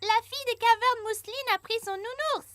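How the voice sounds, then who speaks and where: A woman's voice: very high-pitched, brisk, fairly bright tone, no room sound. A bold little cartoon boy. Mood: explaining. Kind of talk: French cartoon dubbing.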